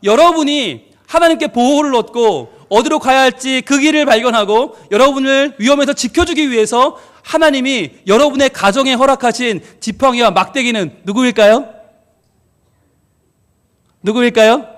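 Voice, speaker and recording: A man's voice: very high-pitched, moderate pace, fairly bright tone. A middle-aged male pastor giving a family-service sermon, telling stories and acting out quoted family arguments while asking the congregation questions.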